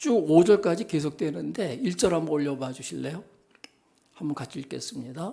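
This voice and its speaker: Pitched fairly high, this man's voice has a dark, mellow tone. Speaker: retired pastor, guest preacher. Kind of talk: sermon. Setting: church.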